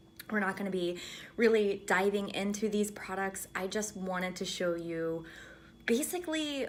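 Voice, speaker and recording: A woman's quiet voice at medium pitch and a moderate pace. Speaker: beauty vlogger. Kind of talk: casual product haul vlog. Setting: hotel room.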